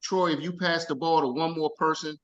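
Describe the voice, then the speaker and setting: A man coaching a team on a video call, energetic and casual, repeating himself for emphasis. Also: fairly high pitch, brisk, highs cut off.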